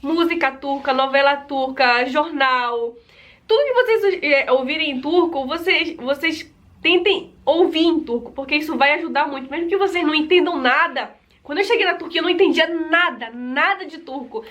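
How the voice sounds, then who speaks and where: A woman's voice: high-pitched, normal speed, a bit bright. A young woman from Brazil, chatting casually to the camera as a vlogger and often calling out to her viewers. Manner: chatty, repeats "gente" often.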